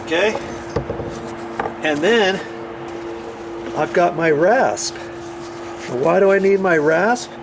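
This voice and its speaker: Male DIY host, folksy and rambling, slightly high voice, unhurried delivery, noisy work recording. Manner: folksy, rambling, asks and answers own questions. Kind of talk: casual hands-on tutorial talk. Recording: noisy, tool rasping and scraping sounds.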